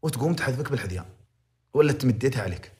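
A man's voice: medium pitch, lively intonation, very fast, mellow. A young man with a Saudi accent giving impassioned, moralizing livestream commentary, repeating phrases to press his point. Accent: Saudi Arabic.

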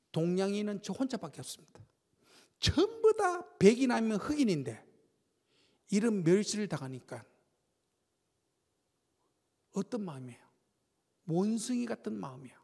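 An older man giving a lively sermon testimony in a church, telling stories with shouts and sound effects. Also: high-pitched, creaky. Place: church sanctuary. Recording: long church-hall reverb.

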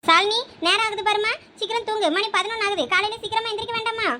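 A woman's voice: very high-pitched, steady tone, bright, forceful tone, a little hiss or hum. A woman playing a busy mother who firmly sends everyone to bed before a wedding, in a village drama skit. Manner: firm, hurried.

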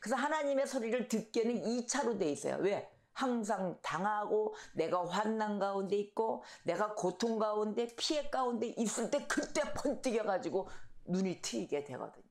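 Gravelly woman preaching in an echoey church. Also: mid-range voice, moderate pace. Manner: storytelling, animated, acts out shouted quotes. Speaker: pastor. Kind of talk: sermon. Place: church sanctuary.

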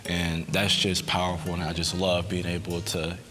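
A man's voice: low-pitched, completely flat delivery, moderate pace. A young man speaking sincerely and reflectively, searching for his words. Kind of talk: reflective church interview. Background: music.

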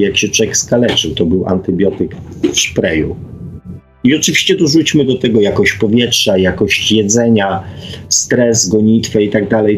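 Speaking at a medium pitch, this middle-aged man from Poland hosts a radio show off the cuff, musing aloud and reading out what listeners have written. He sounds hesitant and reflective and tends to end lines on a questioning tag. The recording is low quality.

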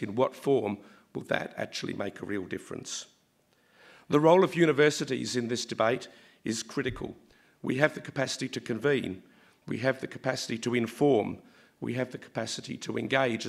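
A middle-aged man speaks at a lectern microphone on an auditorium stage. His voice is gravelly and a little croaky, at an ordinary pitch for a man. He pauses often, with frequent ums and uhs. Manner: halting, many ums and uhs. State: slightly croaky voice. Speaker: university vice-chancellor. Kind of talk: formal welcome speech at a lectern.

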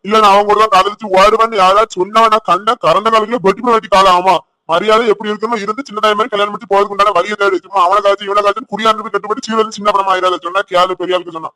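Man playing an old grandpa giving advice in a cartoon, tirunelveli accent, talks real fast. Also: high-pitched, level tone, no echo, poor audio. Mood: gentle advising. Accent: Tirunelveli Tamil. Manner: gently advising.

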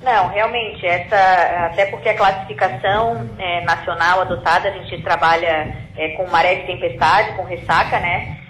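Echoey phone call w slight noise, south brazil woman official explaining stuff, kinda halting. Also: on the low side, fairly even intonation, a bit bright. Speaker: civil defense director, interviewee. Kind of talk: spontaneous phone interview. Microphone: telephone.

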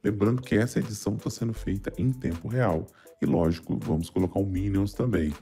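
A low, creaky male character voice performed by a man with a Brazilian accent and a voice-changer effect. The tone is dark as he demonstrates software, with music behind. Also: fairly even intonation, brisk. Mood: even, explanatory. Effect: real-time voice changer.

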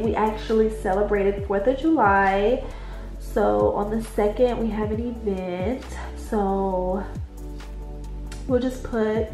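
Slow-talking congested woman vlogger. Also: a little high, dark tone, roomy sound. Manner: slow, chatty, addresses viewers as y'all. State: congested, stuffy nose. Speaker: budget planning vlogger. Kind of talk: casual chat while writing in a planner. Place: indoors at a desk at home, late at night.

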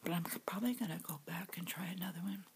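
A middle-aged woman telling a rambling story in a soft whisper while she eats between sentences. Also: on the low side, very fast, creaky, a little hiss or hum. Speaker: vlogger.

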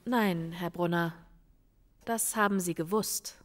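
Woman acting a calm, probing police lieutenant, reverberant. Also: lowish voice, a little hiss or hum. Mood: probing, insistent. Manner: measured, insistent questioning. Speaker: actress in a crime radio play. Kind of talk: audio drama dialogue.

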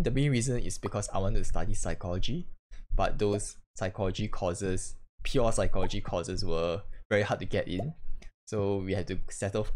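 A man's voice: lowish voice, darkish tone, a little hiss or hum. A young man from Singapore with a Singaporean English accent and Mandarin as his first language, talking reflectively over gameplay with a slight stutter and frequent restarts. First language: Mandarin Chinese. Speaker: gaming channel host. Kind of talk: casual gameplay commentary and personal reflection. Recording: faint music behind voice.

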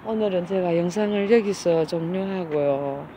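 A woman's voice: fairly low pitch, slight background noise, rough recording. A middle-aged woman, talking in a casual vlog as she coaxes and feeds stray cats outdoors. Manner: coaxing, doting talk to cats, slow and soft. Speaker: cat caretaker vlogger. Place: outdoors by a street.

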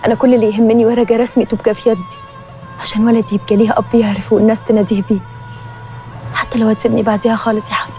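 A woman's voice: a little high, flat delivery, very fast, warm tone, faint music behind, lightly acted. An actress playing a frank woman pressing her lover for marriage, speaking with an Egyptian accent in a TV drama. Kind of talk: TV drama acting.

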